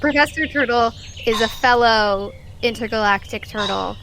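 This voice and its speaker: A woman hosting as game master of a tabletop audio drama, narrating to listeners over a soft background bed. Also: on the high side, normal speed, background noise. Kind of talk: narrating an actual-play game, then scripted credits.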